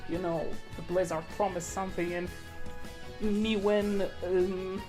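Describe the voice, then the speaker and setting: A woman's voice: medium pitch, fairly even intonation, slow pace. Young woman chatting over music. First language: Polish. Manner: chatty, rambling, with fillers. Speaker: artist. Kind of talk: casual voice-over commentary. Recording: voice-over with loud background music.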